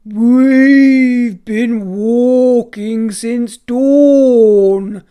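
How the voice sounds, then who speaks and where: A woman voicing a weary mother cow in a children's storybook, with drawn-out mooing speech. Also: fairly high pitch, smooth, lo-fi sound.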